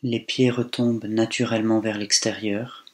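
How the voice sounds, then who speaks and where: A man with a fairly low voice leads a guided body scan meditation. He moves calmly and without hurry, leaving long pauses between phrases.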